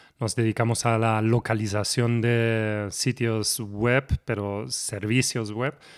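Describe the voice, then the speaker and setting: A man of medium pitch speaks with a German accent, recorded with a dry, close sound and no echo. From Germany, Hamburg. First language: German (speaking Spanish). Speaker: entrepreneur. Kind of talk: interview.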